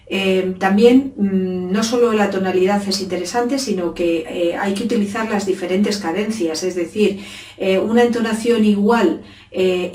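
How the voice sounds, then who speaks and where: A middle-aged woman giving an unscripted video lesson on communication, pausing often with filler sounds. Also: mid-range voice, far from the mic. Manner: hesitant, many filler sounds. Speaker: communication trainer. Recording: roomy echo, set back from the mic.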